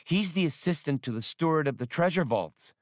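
A watchful adventurer read by a man confides in companions in a hushed, secretive voice. It is storybook science fiction, told close and dry. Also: fairly high pitch, animated, a little fast, no room sound, pitched above the performer's own voice, close to an everyday voice. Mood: urgent recognition.

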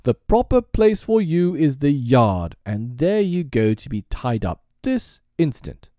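A man's voice: mid-range voice, big pitch swings, normal speed, warm tone, no room sound, studio quality, voice pushed up. A man voicing a blustering, petulant middle-aged father in a storybook, bombastic and full of wounded pride. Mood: reckless anger. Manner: bombastic, wounded, prone to roaring.

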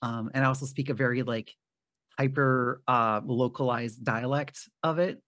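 Podcast host, relaxed and dry. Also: medium pitch, moderate pace, no echo. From Canada. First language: Arabic. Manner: relaxed, reflective, with filler "um" and "like". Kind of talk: casual interview chat.

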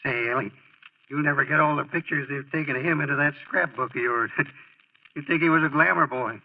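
An actor playing a loyal, folksy newspaperman pal in a 1940s radio drama, with a husky voice and colloquial talk. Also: a little high, fairly quick. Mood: nervous bluffing. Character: loyal, breezy newspaperman pal, grown man, anxiously reassuring. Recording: muffled old radio broadcast.

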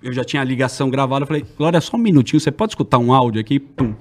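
A man's voice: medium pitch, very fast. A man, telling stories in a casual chat and acting out phone calls with laughter. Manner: animated storyteller, acts out phone calls, laughs often. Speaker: podcast guest telling stories.

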